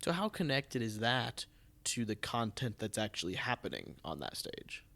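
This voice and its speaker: A man hosting a casual interview, speaking haltingly and often rephrasing his questions. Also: medium pitch, big pitch swings, vocal fry, fairly bright tone. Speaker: podcast host, theatre producer.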